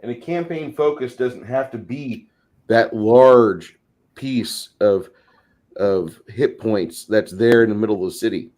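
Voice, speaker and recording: A man's voice: lowish voice, a little slow, darkish tone. A man casually explaining ideas as host of a tabletop gaming discussion, in a rambling, recommending way.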